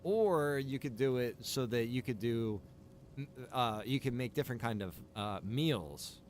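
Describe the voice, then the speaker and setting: A man livestreaming a survival roleplay game, chatting casually and informally as he thinks out loud. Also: medium pitch, expressive, measured pace, a little hiss or hum. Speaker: game livestreamer and server developer.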